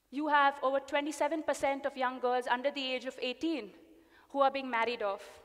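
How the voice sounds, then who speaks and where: Her pitch is high and her intonation fairly even. The woman moves at a fairly quick pace. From India. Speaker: activist, founder of a gender equality organization. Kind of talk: speech to an audience.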